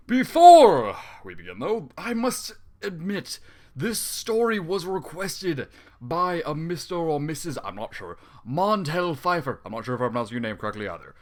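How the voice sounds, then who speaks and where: Reading a fan story at normal speed, this fanfiction reader has a slightly high, somewhat mellow voice that swings widely in pitch. He keeps interrupting the narration with exasperated, profane outbursts for comic effect.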